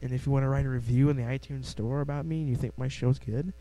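A man's voice: medium pitch, steady tone, fast talker, dark tone, soft background music, low-quality recording. A young man with a Midwestern accent hosting a casual solo podcast from home, rambling and self-deprecating with restarts. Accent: Midwestern American. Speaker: podcast host. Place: home room. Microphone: close desk mic.

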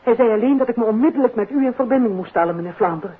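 An actress playing an earnest, worried schoolmistress, formal and anxious, in a 1950s Dutch radio drama. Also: female voice, on the high side, expressive, racing, breathy edge. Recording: muffled, noisy 1950s radio recording.

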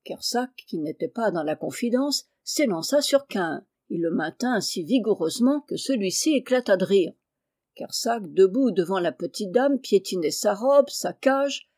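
A woman from France reading a classic novel aloud in a lively, expressive way. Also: mid-range voice. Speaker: audiobook reader.

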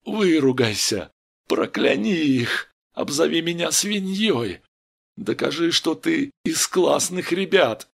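A man's voice: fairly high pitch, animated, slow, gravelly, husky, voice pushed up, exaggerated voice. A man voicing a desperate young man who pleads urgently. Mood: pleading.

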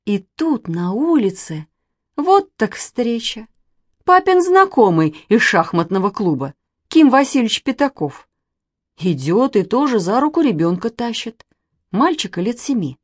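Lively woman reading a children's story. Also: fairly high pitch, a little slow, dry recording. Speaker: narrator. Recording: dry close recording.

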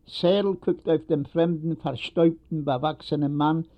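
A man's voice: fairly high pitch, fairly even intonation, a little slow, mellow. Man reading a story aloud. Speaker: narrator. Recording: dull lo-fi recording.

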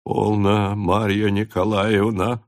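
A man voicing a stooped, stolid petty official who speaks quietly in an audiobook. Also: on the low side, level tone, slow. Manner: quiet, unmoved.

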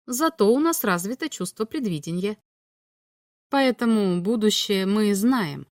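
A woman reading an audiobook, voicing a calm, all-knowing male alien humanoid a little higher than her own voice, in a patient, explanatory way. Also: unhurried, dry recording, studio quality, lightly acted. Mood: calm explaining.

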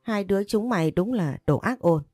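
A woman's voice: mid-range voice, expressive, normal speed, darkish tone, no echo, studio quality, faint music behind, lightly acted. A woman voicing a hysterical grieving adult daughter who rants accusations and sobs pleas, in a storybook reading. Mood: furious.

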